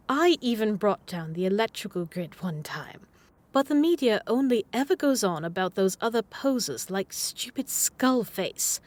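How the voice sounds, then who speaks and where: A woman playing a playful, obsessive, needy supervillain who is smitten with the hero, in a scripted roleplay spoken to the listener with coy, dramatic emphasis. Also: a little high. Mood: aggrieved.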